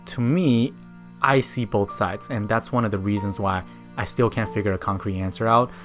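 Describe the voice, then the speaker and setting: A low-pitched man narrates a scripted film essay. He speaks fluent second-language English in a reflective, personal way, with music playing behind him. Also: fairly even intonation, normal speed. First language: Mandarin. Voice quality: non-native but fluent English. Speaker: video essayist.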